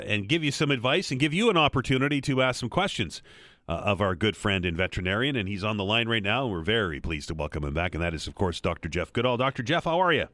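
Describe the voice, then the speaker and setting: A man's voice: lowish voice, fairly bright tone, no room sound, studio quality. A man hosting a call-in radio talk show, talking conversationally with frequent restarts, recovering from a slight cold.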